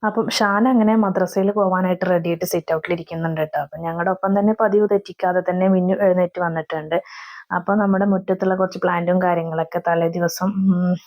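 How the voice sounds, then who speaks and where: A mother narrating her day at home in a chatty voice-over, ending sentences with soft tag words and pausing on fillers. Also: on the low side, steady tone. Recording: slightly dull lo-fi voice-over.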